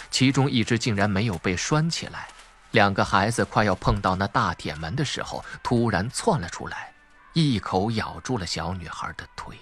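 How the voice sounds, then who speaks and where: A man's voice: on the low side, fairly bright tone, a little hiss or hum. A man reading a novel as dramatic scripted narration. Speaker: audiobook narrator. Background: background music.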